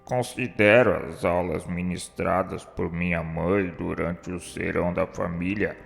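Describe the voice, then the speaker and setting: Man acting deep, gravelly, remorseful suffering soul. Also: fairly even intonation, exaggerated voice. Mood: wistful, reverent. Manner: solemn, slow, declamatory, formal diction. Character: remorseful suffering male spirit of an educated suicide. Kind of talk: radio drama monologue. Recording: long hall reverb, music underneath.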